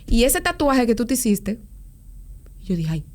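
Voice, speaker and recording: A woman, speaking in a fairly high voice. She tells her story of faith as a guest in a casual chat, slangy and animated, often repeating words as she goes. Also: measured pace. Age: 40s. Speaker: podcast guest.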